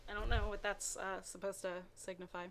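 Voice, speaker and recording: A woman's voice: mid-range voice, little pitch movement, a little fast, creaky, a bit bright. A woman reading fanfiction aloud, breaking off into casual, hesitant, wry asides. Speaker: reader mocking bad fanfiction.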